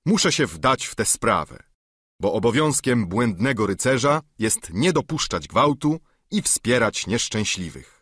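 Man reading an old knight, all formal and lofty, husky audiobook voice. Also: mid-range voice, big pitch swings, unhurried, fairly bright tone, no echo, studio quality, exaggerated voice. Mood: indignant. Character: courtly, grandiose aging nobleman knight.

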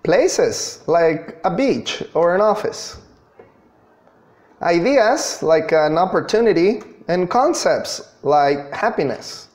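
A man in his thirties giving an online English grammar lesson in a deliberate, instructional manner, stressing key words. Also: high-pitched, animated, darkish tone. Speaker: English teacher. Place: small indoor room.

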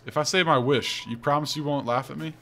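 A man voicing a gentle, wistful dreamer in a video game, reading plainly and earnestly. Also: a little high, fairly quick, gravelly, a little hiss or hum. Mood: wistful, shy. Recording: game music behind the voice.

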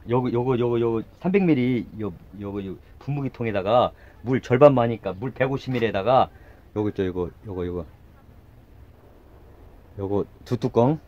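A man's voice: mid-range voice, moderate pace, darkish tone, muffled recording. A middle-aged man demonstrating garden work outdoors in a casual way, talking while he works, repeating short words and muttering asides. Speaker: gardening channel host. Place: outdoors by a house.

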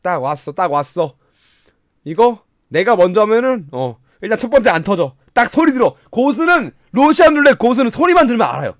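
A man streaming a game, playing in casual commentary, excitable, mumbling to himself one moment and shouting and laughing the next. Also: high voice, brisk, no echo, studio quality. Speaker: gaming streamer.

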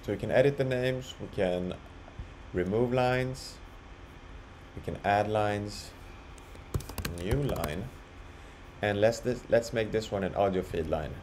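Slow, low-voiced man giving a tutorial. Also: darkish tone. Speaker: software tutorial presenter. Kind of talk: casual screen-share walkthrough. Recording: clearly audible background noise.

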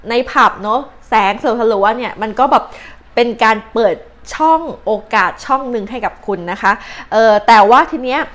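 Chatty Thai woman vlogger, fairly high voice. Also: moderate pace, hardly any pauses, a bit bright. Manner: chatty, uses many fillers and polite particles. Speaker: channel host, astrology and advice vlogger. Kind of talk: casual chatty explainer, translating tips.

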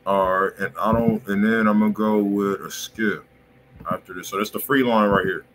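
A man's voice: on the low side, fairly even intonation, moderate pace, heavy background noise. A man with an American accent hosting a music review in casual, slangy, profane talk full of repeated catchphrases. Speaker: music review show host. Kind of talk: casual chat, live music feedback. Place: indoor room, livestream.

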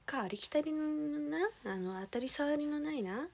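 A young woman, chatting casually as a streamer, ranting with animated indignation and dropping into whispered asides. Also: sits high, normal speed, creaky. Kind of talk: casual chat.

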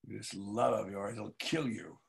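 A middle-aged man acting a domineering, controlling older brother in a dramatic staged reading, his voice gravelly and husky. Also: lowish voice, unhurried, exaggerated voice. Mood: angry, commanding. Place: book-lined room at home. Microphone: computer mic on video call.

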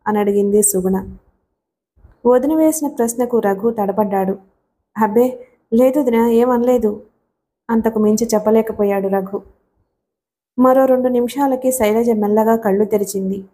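Woman audiobook narrator, expressive, mellow tone. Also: medium pitch, moderate pace. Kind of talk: scripted narration.

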